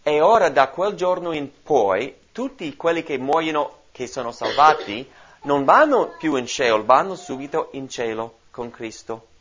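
Animated male Bible teacher, lively sermon delivery, muffled lo-fi recording. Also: fairly high pitch, breathy edge. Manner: animated, explaining and asking the listeners questions. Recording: dull lo-fi recording.

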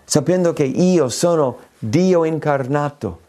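A man preaching an expository sermon, lifting his voice high when he quotes scripture and prayers. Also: slow pace, dark tone. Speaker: pastor.

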